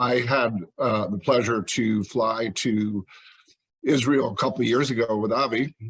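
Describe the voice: This is a put-on character voice with a raspy sound. It moves at a moderate pace with fairly even intonation. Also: man, medium pitch for a man.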